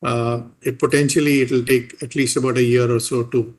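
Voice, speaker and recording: Male finance executive, average pitch, formal, deliberate phrasing with frequent pauses. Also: level tone. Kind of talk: answering questions on an earnings call.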